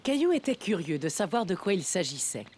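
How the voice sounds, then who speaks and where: A woman narrating a children's cartoon as a gentle storyteller, in a measured, explanatory way. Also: lowish voice, big pitch swings, a little hiss or hum. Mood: gentle storytelling. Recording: faint music under narration.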